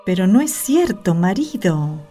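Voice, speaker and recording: A woman's voice: mid-range voice, big pitch swings, a little slow, warm tone, faint music behind. A woman playing a timid, compassionate wife cowed by her Pharisee husband in a radio play, meek and pleading.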